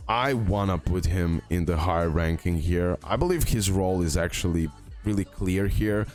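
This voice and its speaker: Soft background music accompanies a deep-voiced man, a video game YouTuber, as he thinks aloud over game rankings in a casual tier-list voice-over recorded indoors. His voice is a little mellow and his pace moderate, and he hesitates, repeating phrases for emphasis.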